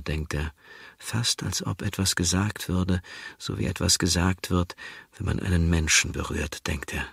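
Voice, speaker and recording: Male audiobook narrator, very low voice, husky, gravelly, dry close sound, hushed and slow. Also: dry recording. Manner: slow, hushed, dwelling on repetitions.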